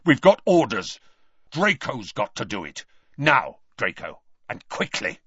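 A man's voice: mid-range voice, huge pitch swings, unhurried, slight background noise. Man barking as a brutal henchman. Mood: commanding. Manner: sharp, barking orders. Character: brutal, heavy-faced male henchman, commanding. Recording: dull lo-fi, dry.

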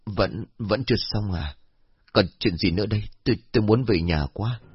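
A man's voice: low-pitched, expressive, moderate pace, husky, no room sound. A man voicing a timid middle-aged village man who stammers nervously. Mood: scared. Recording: dull lo-fi recording.

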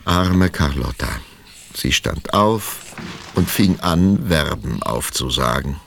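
Deep, gravelly man narrating. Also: lively intonation, takes it slowly, fairly bright tone, a little hiss or hum. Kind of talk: scripted narration for children's radio play.

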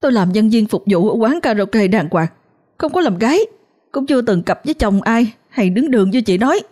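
A woman voicing a young daughter who is crying, her voice pitched high and strained with desperation and defiance. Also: animated, brisk, darkish tone. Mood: defiant. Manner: shrill, pleading then defiant.

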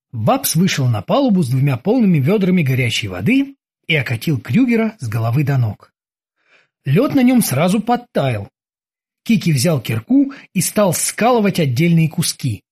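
An expressive audiobook narrator reads the chapter aloud. The voice rises and falls widely, with a husky, breathy texture. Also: medium pitch. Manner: expressive reading.

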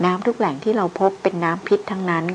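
A woman reading as a calm expedition leader. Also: medium pitch, fast talker, a little hiss or hum, close to an everyday voice, low-quality recording.

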